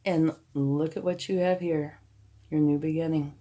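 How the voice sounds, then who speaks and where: A woman with a low, husky-hoarse voice from a cold talks slowly through a tarot reading. She is unhurried and reassuring, and she keeps asking the viewer "okay?" as she explains each card. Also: steady tone, dark tone. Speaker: tarot reader.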